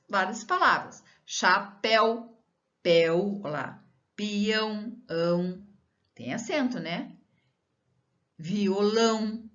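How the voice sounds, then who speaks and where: A woman schoolteacher from Brazil giving a recorded lesson to children, talking slowly and drawing out her words, asking the pupil questions as she goes. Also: on the low side, fairly bright tone, muffled recording. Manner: slow, drawn-out teacher talk with rising questions to the pupil.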